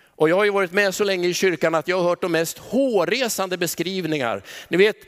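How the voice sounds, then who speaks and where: A man preaching a sermon in a church, pausing dramatically and dropping to a soft, low voice on the words he stresses. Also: lively intonation. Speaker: pastor. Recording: long church reverb.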